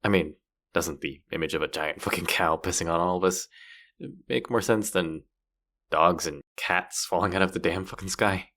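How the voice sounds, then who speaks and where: A man with a low, sharp voice and fairly even intonation speaks at a normal pace, playing a cocky, bratty street-rat rogue in a fantasy roleplay audio drama. Teasing and foul-mouthed, he addresses the listener directly in a mood of playful banter.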